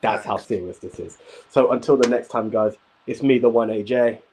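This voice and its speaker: A man's voice: medium pitch, moderate pace, darkish tone, a little hiss or hum. A man hosting a wrestling review show, speaking emphatically and repeating himself for emphasis. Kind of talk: casual podcast chat.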